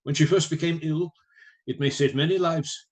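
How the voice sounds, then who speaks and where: Man playing a grave, higher-pitched vampire-hunting professor. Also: steady tone, natural voice. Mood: gentle, solemn. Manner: measured, deliberate, formal rhetorical phrasing. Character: grave, probing elderly professor, a learned vampire hunter. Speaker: actor in a live radio play. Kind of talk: theatrical radio drama acting.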